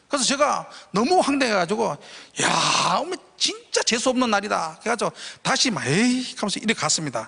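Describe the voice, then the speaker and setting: A man's raised, projected voice sits extremely high in pitch, swinging very widely in an animated tone. He speaks fairly quickly over noticeable background noise. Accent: Gyeongsang. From Gyeongsang region, Korea. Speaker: preacher. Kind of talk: sermon. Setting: church.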